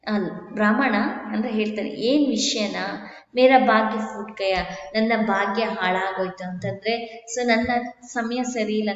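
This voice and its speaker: A woman's voice: mid-range voice, a bit bright. A woman teacher reads each line and then explains it in plainer words. Her voice carries a long echo off the room. The sound is dull and muffled. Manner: reads Hindi lines, then retells them in Kannada. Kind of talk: explaining a Hindi textbook story in Kannada.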